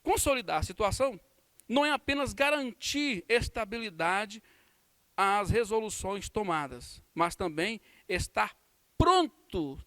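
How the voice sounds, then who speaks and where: A Brazilian pastor teaching a Sunday school class, his voice set unusually high for a man. He tells a personal story and acts out what each person said, and the sound is close and dry. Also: no room sound. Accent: Brazilian Portuguese. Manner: storytelling with acted-out quotes and warm laughs. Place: church.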